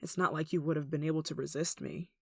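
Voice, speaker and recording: A woman's voice: low voice, steady tone, quick pace, a little mellow, slightly rough, dry recording, clean studio sound. A woman playing a tall, possessive, lovesick kidnapper in an intimate ASMR roleplay, cooing and coaxing with sweet menace, sighs and giggles. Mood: gleeful, possessive.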